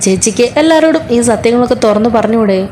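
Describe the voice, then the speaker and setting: A woman's voice: on the high side, expressive, fast, dark tone, a little hiss or hum, close to an everyday voice. A woman voicing a distraught young man who pleads emotionally with his elder sister as she retells a serial episode. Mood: pleading.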